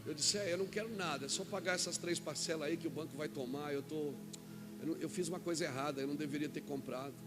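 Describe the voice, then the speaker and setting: A Brazilian man preaching a sermon as a pastor, telling a personal story with quoted dialogue and rising to shouts at the peaks. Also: fairly high pitch, fast talker, over loud music. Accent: Brazilian Portuguese. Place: church event hall.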